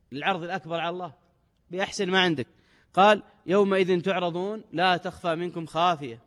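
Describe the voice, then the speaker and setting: A religious teacher with a high, fairly bright voice gives a lesson, reading old texts in formal Arabic with raised emphasis and then explaining them in dialect. A long hall reverb colors the recording.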